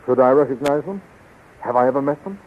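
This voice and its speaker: A man's voice: mid-range voice, quick pace, narrow, tinny audio, close to an everyday voice. A man playing a brave young space adventurer, earnest and melodramatic, in a 1930s radio serial. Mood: confused. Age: young adult. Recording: thin, noisy 1930s radio recording.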